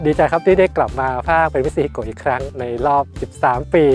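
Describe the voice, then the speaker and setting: Against faint music in the background, a man with a fairly high pitch and ordinary pitch variation is heard in a dry sound with no echo. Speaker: voice actor. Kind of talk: interview answer. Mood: cheerful, smiling. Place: home room. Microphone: lapel.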